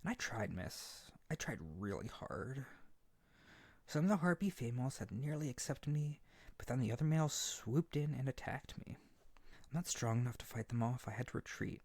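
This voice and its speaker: A man's voice: medium pitch, normal speed, breathy edge, no room sound. A man playing a hyper, naive and desperate harpy boy in an ASMR character roleplay, earnest and pleading. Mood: dejected, desperate. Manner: pleading, excitable, stammering, earnest.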